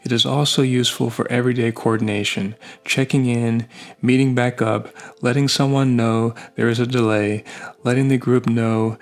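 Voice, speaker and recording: A man narrating a scripted product review in measured, short phrases. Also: medium pitch, little pitch movement.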